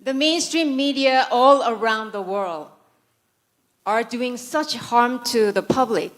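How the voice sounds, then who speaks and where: In Korean-accented English, a South Korean woman whose native language is Korean delivers a prepared conference speech full of dry sarcasm and mock-serious asides. She speaks slowly in a slightly high voice.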